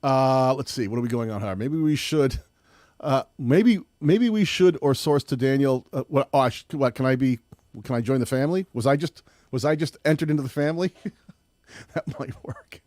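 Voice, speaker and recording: A man with a loud voice hosting a live-streamed tutorial, chatty and rambling with frequent restarts. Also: medium pitch, moderate pace, no echo. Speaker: host.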